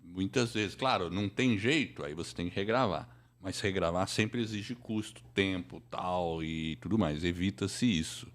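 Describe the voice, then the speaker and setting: A Brazilian man hosts a live podcast show. His voice is on the low side. He talks in a conversational way, as a presenter addressing guest and viewers. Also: moderate pace, few pauses. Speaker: podcast host and teacher.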